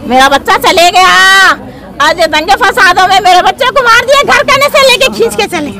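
A woman's voice: very high voice, normal speed, crowd noise. A middle-aged grieving mother, pleading and crying out for justice in a street statement.

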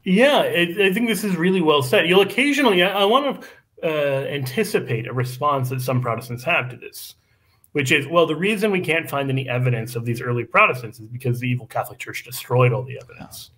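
A man in his thirties, a guest on a podcast, making an animated, argumentative case over a video call. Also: on the high side. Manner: animated, argumentative, quick asides. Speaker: guest apologist. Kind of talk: casual podcast discussion. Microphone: video call microphone.

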